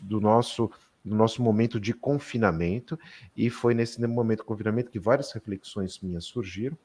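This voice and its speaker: A low-pitched man presents his book over a video call. He explains thoughtfully and sometimes pauses to search for the right words. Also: a little mellow, slightly rough. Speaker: author on a panel.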